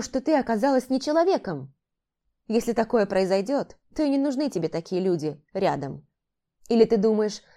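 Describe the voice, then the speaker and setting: A wise male talking cat from a fantasy storybook, read by a woman, calm and lecturing with a dry, teasing edge. The voice sits mellow and dark in tone, never rushed, patiently explaining hard truths. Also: medium pitch, natural voice. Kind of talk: audiobook character voicing.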